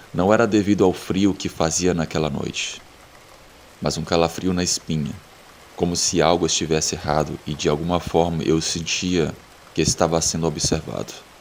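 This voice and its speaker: Amid noticeable background noise, a man with a very deep, low voice speaks at a moderate pace with fairly even intonation. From Uruguay. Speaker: horror story narrator telling a personal experience. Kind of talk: first-person horror story narration.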